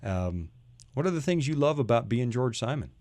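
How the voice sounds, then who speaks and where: A man's voice: mid-range voice, sing-song, normal speed, darkish tone, dry recording. Male radio host, mid-range voice, casual and bantering, close dry studio mic. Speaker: host of a radio talk show. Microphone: close studio microphone.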